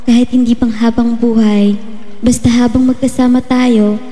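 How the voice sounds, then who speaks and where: An actress as a young woman in love in an audio drama, with a very dark, velvety, highish voice. She speaks gently and earnestly, soft and steadfast, in long reverb over music. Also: level tone, normal speed, close to an everyday voice. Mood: tender, loving. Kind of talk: Filipino audio drama acting, intimate dialogue.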